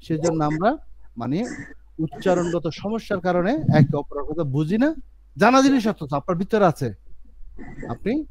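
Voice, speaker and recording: A man's voice: fairly high pitch, darkish tone, slight background noise. A man teaching an English course on a video call, explaining earnestly and repeating himself, with frequent restarts. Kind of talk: online class lecture.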